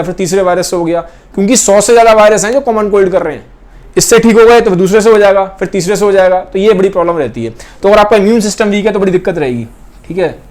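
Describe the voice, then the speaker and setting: A young man with a high-pitched, darkish voice teaches biology, going over the important points more than once and regularly checking that his students follow. He points to pictures while he explains the lesson.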